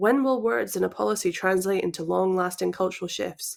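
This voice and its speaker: A woman with a Scottish accent speaks at a fairly quick pace. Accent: Scottish lilt. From Scotland. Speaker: children's novelist. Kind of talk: reading aloud; casual chat. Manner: halting.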